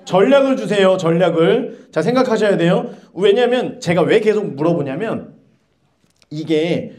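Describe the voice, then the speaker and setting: A pastor in his thirties preaches a sermon to his congregation. His voice sits high for a man and swings widely in pitch. He fires questions at his listeners and slips into grumbling voices to act out what people say. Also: lively intonation, moderate pace, a little mellow. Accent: Korean.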